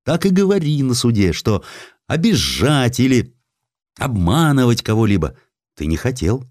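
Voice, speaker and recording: A man's voice: medium pitch, sing-song, normal speed, a little mellow, no room sound, voice pushed up. A man voicing a loyal middle-aged lawyer who speaks earnestly and consolingly to a friend in an audiobook story. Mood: reassuring.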